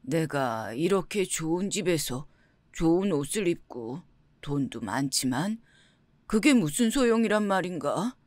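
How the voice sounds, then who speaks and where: A woman voicing a downcast male scholar who keeps failing his exams, speaking slowly and dejectedly. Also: sits low, sing-song, darkish tone, no echo, voice pushed down. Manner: slow, dejected and sighing. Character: downcast male scholar, failed exam candidate. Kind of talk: storybook character voice.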